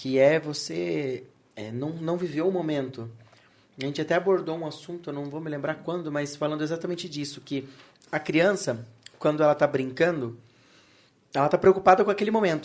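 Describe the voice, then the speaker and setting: Long, frequent pauses break up a man's speech, his fairly high pitch showing ordinary variation. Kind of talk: casual chat. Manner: fast.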